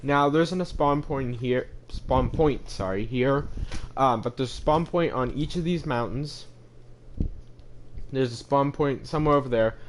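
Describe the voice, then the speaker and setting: A young man talks through a voice changer that pulls his voice lower, walking through a game map in a loose, rambling way. He keeps hesitating and correcting himself mid-sentence. His pitch sits in an ordinary middle range under the effect, with faint background noise. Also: measured pace. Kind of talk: casual gameplay voice-over.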